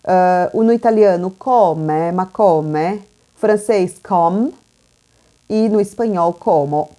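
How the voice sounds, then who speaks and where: Woman, language teacher, slow delivery, warm tone, repeats words, chatty. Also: fairly low pitch. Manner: chatty asides with "né" and "tá". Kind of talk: informal video lesson.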